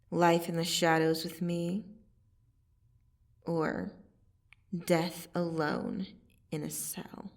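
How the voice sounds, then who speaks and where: A woman acts out a female vampire assassin for an ASMR roleplay. Her voice is on the low side and full of gravelly creak, with breathy dips toward a whisper. She speaks very slowly and deliberately, menacing yet intimate, with a wistful softness underneath. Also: distant mic. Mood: coolly threatening. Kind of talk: ASMR roleplay, scripted dramatic monologue.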